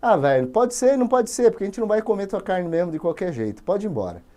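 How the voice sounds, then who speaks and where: A man's voice: sits high, very animated, quick pace, dark tone, voice pushed up. A man with a Brazilian accent voicing mocking, dismissive male tribal warriors.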